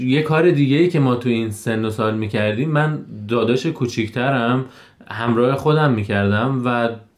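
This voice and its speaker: Here a man with medium pitch speaks at a moderate pace in an unremarkable speaking voice. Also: ordinary pitch variation. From Iran, Lalejin near Hamedan. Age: 30s. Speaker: car mechanic and amateur playwright. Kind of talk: life story interview.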